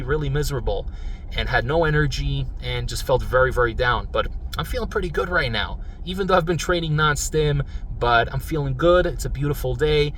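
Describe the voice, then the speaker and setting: A man's voice: mid-range voice, fairly bright tone. Rambling mid-30s man vlogging from a car. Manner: rambling, earnest, says "guys" often. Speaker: supplement review channel host. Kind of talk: casual vlog talk to viewers. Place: in a car while driving. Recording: mic far off, car road noise. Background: car and traffic noise.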